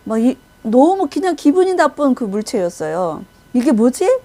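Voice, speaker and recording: A woman's voice: sits high, sing-song, normal speed, dark tone. A woman preaching and recounting a vision in testimony style, restarting often and acting out the people in it. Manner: retells a vision with acted quotes and frequent restarts. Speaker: Christian intercessory prayer minister.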